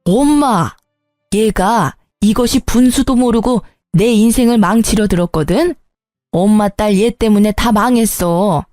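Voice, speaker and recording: A woman's voice: medium pitch, unhurried, mellow, no echo, faint music behind, natural voice. Spiteful, whiny sister-in-law, voiced by a woman; dry close sound. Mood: venomous. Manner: screeching, then pleading.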